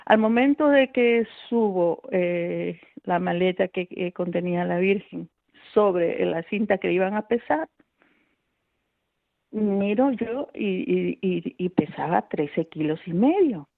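A woman's voice: lowish voice, slow pace, vocal fry, no echo. A middle-aged woman, a radio volunteer, tells a personal story over the phone. She speaks with feeling, calls herself a nervous person, and acts out the voices of the people she quotes. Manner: self-described nervous, anxious speaker. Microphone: telephone. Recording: tinny dry phone line.

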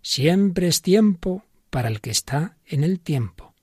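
A man voicing an old pope, gently insistent. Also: fairly high pitch, expressive, takes it slowly, breathy edge, dry recording, studio quality, voice pushed up, heavily acted. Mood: gentle. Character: elderly male pope, gentle but urgent.

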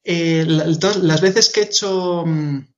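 A singer-songwriter in his twenties from Madrid, Spain, speaks with a Madrid Spanish accent as a guest in a radio interview. His voice is on the high side and slow, earnest and hesitant, often repeating and restarting words, and the sound is lo-fi.

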